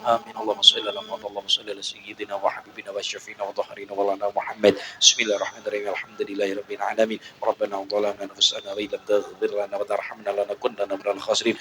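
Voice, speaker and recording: A man with a Javanese accent preaching a lively sermon, jumping to high calls and chanting prayers. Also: racing, background noise. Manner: animated, swings into high shouts, chanted Arabic prayers.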